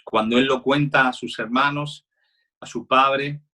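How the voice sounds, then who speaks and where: Husky-voiced male pastor preaching. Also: mid-range voice, fairly even intonation, unhurried, bright, forceful tone. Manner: earnest preaching, retelling Bible scenes with quoted dialogue. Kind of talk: sermon.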